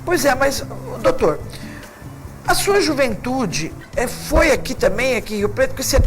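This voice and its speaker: A man's voice: extremely high pitch, sing-song, normal speed, poor audio. A man, hosting a TV studio interview in an effusive, complimentary, chatty way. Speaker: TV talk show host. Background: music.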